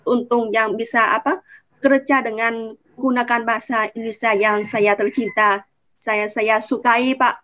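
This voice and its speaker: High-voiced Vietnamese woman, halting non-native speaker. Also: steady tone, sharp tone. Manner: foreigner speaking Indonesian, halting with word searches. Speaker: radio announcer interviewee. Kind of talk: casual interview answers. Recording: dull, lo-fi audio.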